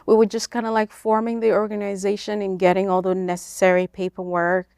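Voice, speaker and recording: A woman's voice: mid-range voice, monotone, fairly quick, gravelly, darkish tone, smooth, dry recording, studio quality. A woman from Kenya answering interview questions in an informal, explanatory, conversational way. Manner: informal, explanatory, frequent "like" and "you know". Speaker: interview guest, nonprofit founder.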